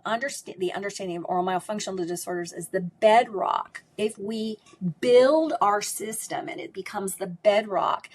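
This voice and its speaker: A middle-aged woman with a strong voice speaks at a medium pitch in an emphatic, conversational way. She often caps her points with a quick "right?" as she explains her work. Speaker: speech pathologist and course instructor. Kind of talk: conversational interview answers.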